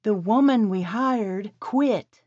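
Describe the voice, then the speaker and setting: A woman voicing a calm, friendly woman employer who explains things slowly. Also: medium pitch, no echo, voice pushed up. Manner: slow, measured, explaining. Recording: slightly dull dry recording.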